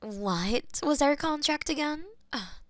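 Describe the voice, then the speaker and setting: Casting: woman as a possessive female war demon, slow teasing drawl, soft whispers, dry close mic. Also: sits high, lively intonation, no room sound. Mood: smug. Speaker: voice actor in audio roleplay. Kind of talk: intimate audio roleplay.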